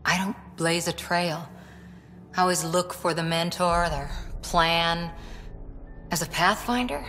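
An actress playing a loyal, self-doubting human lieutenant in a video game, earnest and steady. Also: female voice, sits low.

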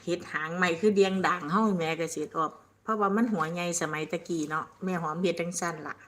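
A woman's voice: fairly low pitch, fast. An older woman with an Isan accent from northeastern Thailand, chatting casually on a live stream, reading out viewer comments, rambling and laughing often. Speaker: livestream host.

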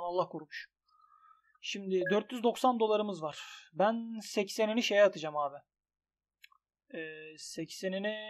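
High-voiced excitable young man. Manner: excitable, swings from grumbling to shouting at losses. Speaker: gaming YouTuber. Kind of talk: commentary on an online gambling site.

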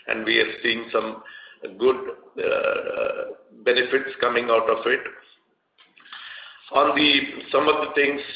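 An Indian-accented man gives executive remarks in a creaky voice, with a halting, hesitant delivery. He sounds as if he is in an echoey room on a conference line. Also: mid-range voice, highs cut off. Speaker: company executive leading the call. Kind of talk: earnings call remarks.

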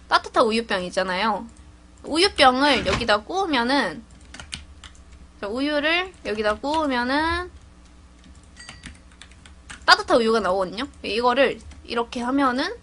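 Bright, chatty woman gamer. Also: a little high, a little hiss or hum. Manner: chatty, narrates her own actions with excited exclamations. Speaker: gaming YouTuber. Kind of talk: casual gameplay commentary.

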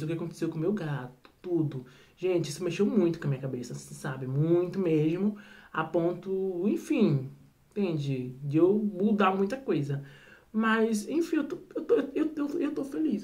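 A man's voice: high voice, mellow. A man with a Brazilian accent talking at home in a late-night vlog, chatty and rambling, with many fillers and repeated words. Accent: Brazilian Portuguese. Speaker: vlogger.

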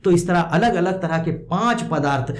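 A man with a high voice teaches a Hindi poem, reading each line and then restating it in several ways. The recording has an echoey room sound with faint background noise. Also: animated, moderate pace. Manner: repeats words and gives synonyms, pitch rising when quoting verse.

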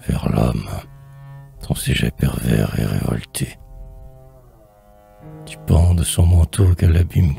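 A man's voice: very deep voice, gravelly, dark tone. A man reciting poetry in a solemn, theatrical manner, drawing out phrases and at times sinking toward a whisper. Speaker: poetry reader.

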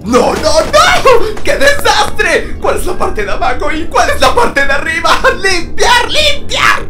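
Game sun animatronic: manic, over-friendly, frantic, Latin American accent, very animated, music behind. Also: male voice, extremely high pitch, slow pace, far from the mic, heavily acted. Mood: frantic, eager. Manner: exclamatory, frantic, hyper-cheerful babbling. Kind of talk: game character fan dub.

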